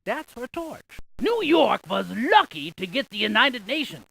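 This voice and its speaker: Bright, creaky, excitable scientist. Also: female voice, a little high, a little slow, full character voice. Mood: cheerful, informative. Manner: theatrical, quippy, exaggerated emphasis. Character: excitable, quirky museum scientist giving landmark trivia. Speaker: educational game character. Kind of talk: playful scripted educational game narration.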